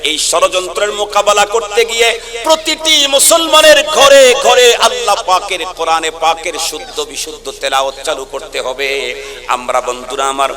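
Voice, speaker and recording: A man from Bangladesh with a Bangladeshi Bengali accent preaching a waz sermon to a large gathering. He talks in a sing-song chant that swings from soft talk to shouts, and he keeps pressing the listeners to answer back. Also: sits high, moderate pace. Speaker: Islamic preacher. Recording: live sermon with crowd noise.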